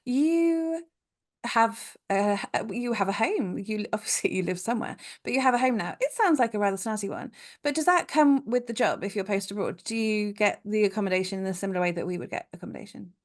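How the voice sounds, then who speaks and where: A woman's voice: medium pitch, lively intonation, a little fast. A woman hosting a podcast interview, enthusiastic and chatty, correcting herself as she goes. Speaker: podcast host.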